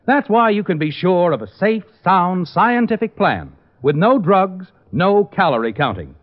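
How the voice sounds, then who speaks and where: Old time radio announcer guy, salesy and polished, high voice, big swings in pitch. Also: sing-song, a little slow. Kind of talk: 1940s radio sponsor announcing. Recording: muffled old radio broadcast, music behind.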